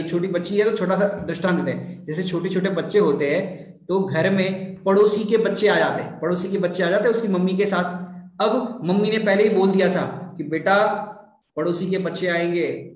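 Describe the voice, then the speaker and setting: A man giving a religious discourse, explaining with homely examples and rhetorical questions. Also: high-pitched. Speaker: spiritual teacher. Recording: echoey hall.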